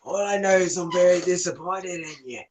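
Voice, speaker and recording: A woman voicing a brash, teasing male bloke with a put-on Australian accent, often loud. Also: on the low side, steady tone, a little fast, pitched below the performer's own voice, close to an everyday voice, low-quality recording. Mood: cocky.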